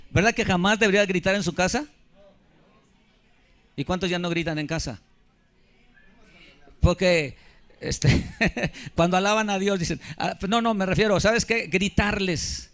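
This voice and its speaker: A man's voice: sits high, unhurried, pauses often, fairly bright tone. A man, preaching a sermon as pastor with emphasis, keeps putting questions to the congregation. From Mexico. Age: 50s.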